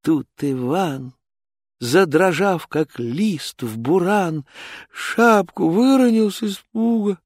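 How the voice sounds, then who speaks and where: A reader narrating a verse fairy tale in a rhythmic, expressive way. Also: medium pitch, slow pace, no room sound, clean studio sound.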